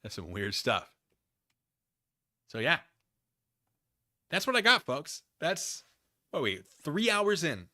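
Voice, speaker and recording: A man hosting a live stream, reading documents aloud and commenting casually with conversational, animated asides. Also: fairly high pitch, slow pace, long pauses. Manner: conversational, animated asides, acts out imagined dialogue.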